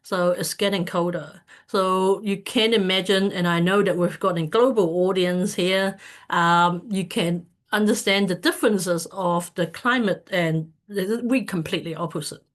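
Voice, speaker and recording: Woman from Hong Kong presenting to an online community, halting and filler-heavy, on a computer mic. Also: fairly low pitch. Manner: hesitant, many fillers and restarts. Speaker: speaker at an online community event. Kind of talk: casual presentation talk.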